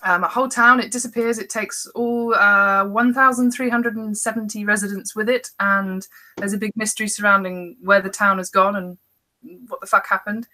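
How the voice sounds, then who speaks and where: A woman's voice: mid-range voice, steady tone, normal speed, sharp tone. A woman speaking as a guest author in casual, informal, self-deprecating podcast conversation.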